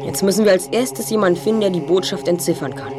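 A man's voice: high voice, animated, quick pace, a crowd in the background. A young male actor playing a clever, commanding teenage boy detective in an audio drama, speaking in precise deductions. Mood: keen, deductive. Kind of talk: German audio drama acting.

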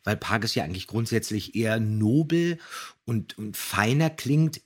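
A man's voice: on the low side, animated, unhurried. A man co-hosting a podcast, giving detailed, appreciative commentary on radio plays in conversation. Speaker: podcast co-host.

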